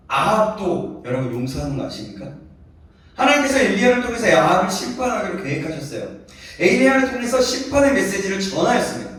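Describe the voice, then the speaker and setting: A male pastor giving a sermon to a youth congregation, conversational and full of questions to the listeners. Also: sits high. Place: church sanctuary. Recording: very echoey hall, voice from a distance.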